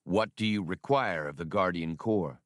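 A man voicing an ancient robot army commander, deep and resonant, intoning in a stiff, formal, emotionless military manner. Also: normal speed, a bit bright, dry recording, studio quality. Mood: cold, formal.

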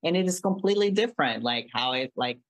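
A Brazilian artist whose first language is Portuguese chats casually as a podcast guest in a mid-range, animated voice, talking fast. He rambles, with lots of "like" fillers and restarts. The sound is dry and close, with no echo.

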